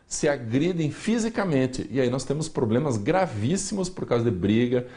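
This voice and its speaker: A man explaining emotional control for children as a regular columnist on a TV news program, with a calm, explanatory manner and a Brazilian Portuguese accent. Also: mid-range voice, moderate pace. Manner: calm explanatory, acts out parents' lines. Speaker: weekly columnist on parenting.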